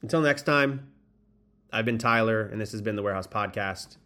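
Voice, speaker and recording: A man's voice: on the low side, normal speed, sharp tone. A man hosting a sports podcast solo, casually rambling as he thinks aloud, recorded on a makeshift mic in an echoey spot. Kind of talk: solo baseball commentary, casual. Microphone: makeshift mic, not the proper one. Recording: echoey room, improper microphone.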